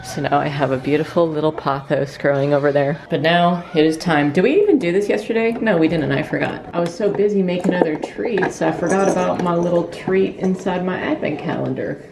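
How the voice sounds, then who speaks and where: Young woman vlogger with a creaky voice. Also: fairly low pitch, fairly quick, few pauses, noisy background. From Georgia, United States. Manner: informal, giggly storytelling. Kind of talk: casual chatty vlog.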